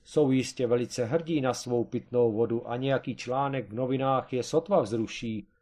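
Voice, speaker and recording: A man doing a cautious, measured doctor. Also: mid-range voice, mellow, natural voice. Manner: measured, objecting. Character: cautious reasoning male doctor.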